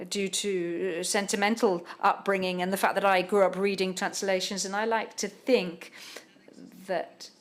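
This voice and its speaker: A woman interpreting a literary panel talk live, speaking haltingly with frequent pauses and restarts. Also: medium pitch.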